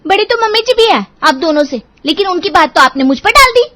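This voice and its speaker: A woman voicing a defiant youngest daughter-in-law in a storybook tale, with a shrill, argumentative voice. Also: a little fast. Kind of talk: storybook character voice.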